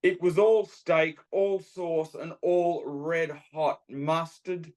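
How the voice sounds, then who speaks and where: A man's voice: a little high, fairly even intonation, takes it slowly, darkish tone. An Australian man co-hosting a sports podcast, running through scores with enthusiastic, colourful phrasing. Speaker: podcast co-host. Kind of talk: casual sports chat.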